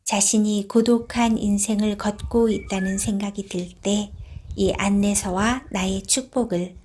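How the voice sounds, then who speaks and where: A woman reading a book aloud as narrator in a soft, hushed, gentle voice that turns whispery at moments. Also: medium pitch, fairly even intonation, measured pace.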